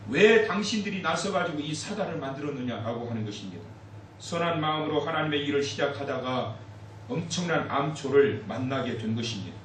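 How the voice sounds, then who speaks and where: A man's voice: a little high, distant mic. A man preaching a Sunday sermon as pastor, acting out anguished prayers and quoted voices with swelling intensity. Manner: dramatic, acts out pleading prayers with rising intensity. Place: church sanctuary. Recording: echoey church hall from afar, faint hiss.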